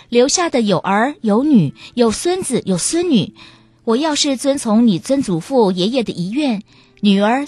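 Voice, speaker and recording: A woman's voice: a little high, darkish tone, breathy edge, voice pushed up. A woman voicing a worried, sighing elderly grandmother in a radio story. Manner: sighing, fretful.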